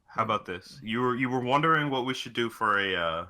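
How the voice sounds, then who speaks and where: A man's voice: medium pitch, animated, fairly quick, sharp tone. A man co-hosting a casual podcast chat in a laid-back, wry, joking way. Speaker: podcast co-host.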